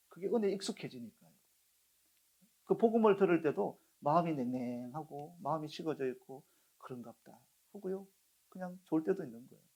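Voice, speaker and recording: A man's voice: fairly high pitch, gravelly, darkish tone, husky. A middle-aged man preaching a sermon as a pastor, telling stories and putting questions to the congregation. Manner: storytelling with acted quotes, asks the congregation questions.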